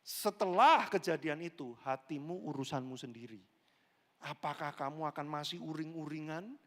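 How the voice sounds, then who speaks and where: High-voiced animated pastor in a reverberant hall. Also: male voice, normal speed. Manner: animated storyteller, switching voices for characters. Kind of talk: lively sermon with acted-out dialogue. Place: large church hall.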